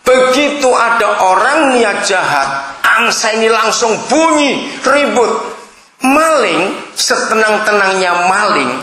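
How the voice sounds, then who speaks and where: A man's voice: high-pitched, pushed and bright, a little hiss or hum. A man preaching a sermon, telling humorous stories and addressing his listeners directly. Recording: roomy echoing hall.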